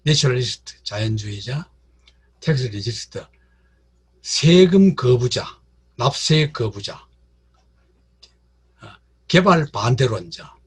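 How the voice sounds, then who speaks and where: A man delivers a literature lecture in a rough, husky voice at a middle pitch. He keeps repeating key words and speaks directly to the people in the room. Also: animated, takes it slowly, long pauses. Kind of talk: classroom lecture.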